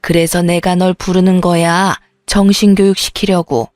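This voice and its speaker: A woman's voice: fairly low pitch, little pitch movement, moderate pace, no echo, clean studio sound, voice pushed down, lightly acted. Woman voicing a nagging older mother-in-law. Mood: scolding. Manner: sharp, belittling, nagging. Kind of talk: storytelling radio reading.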